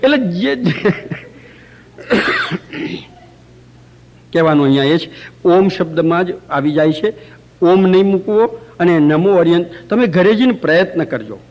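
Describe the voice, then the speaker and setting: A man's voice: sits high, animated, slow pace, pauses often, darkish tone, muffled recording. A man teaching a religious workshop to a live group, telling anecdotes with light humor and chanting example phrases aloud to show how they sound. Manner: storytelling, demonstrates chanting aloud. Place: community center hall.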